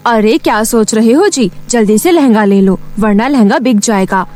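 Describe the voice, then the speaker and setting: A woman's voice: fairly high pitch, moderate pace, a little mellow, soft background music, natural voice. A woman voicing a vain, bossy, impatient wife out shopping in a cartoon story. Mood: eager, vain. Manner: bossy, self-admiring.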